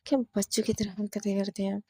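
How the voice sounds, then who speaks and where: Husky woman telling a story. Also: mid-range voice, level tone, fast, dark tone, no echo, studio quality. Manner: rambling, filler-heavy. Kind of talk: casual story narration.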